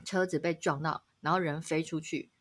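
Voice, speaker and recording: Female podcast co-host, lively storyteller who laughs a lot. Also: deep voice, normal speed. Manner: animated storyteller, laughs often, rises sharply at dramatic moments. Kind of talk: casual chat, telling a story.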